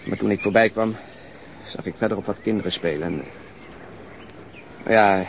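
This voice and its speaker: Low and subdued, a man acts a battered, weary policeman in a radio play, with faint noise around him. His delivery is wry and understated. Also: moderate pace, natural voice. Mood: sheepish, wry. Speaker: radio drama actor. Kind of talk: low-key radio drama acting.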